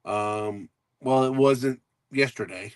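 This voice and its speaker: A man's voice: medium pitch, takes it slowly, clear, resonant tone, no room sound. A man co-hosting a casual talk show, rambling and laughing as he tells stories and repeats himself. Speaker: co-host. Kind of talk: casual chat.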